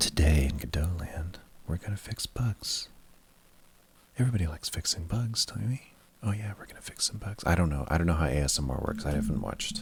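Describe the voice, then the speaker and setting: A soft-spoken man talks fairly quickly at a very deep, low pitch with vocal fry. His pitch swings very widely. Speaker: indie game developer streamer. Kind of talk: casual live-stream coding chat. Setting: home live stream. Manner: quiet, soft-spoken.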